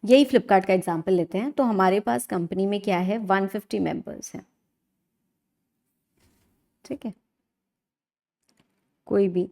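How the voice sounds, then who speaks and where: An Indian woman lecturing conversationally as a law teacher, often asking questions and answering them herself in an animated teacherly way. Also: medium pitch. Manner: animated teacherly, asks and answers own questions, frequent check-ins. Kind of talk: conversational online lecture in mixed Hindi and English.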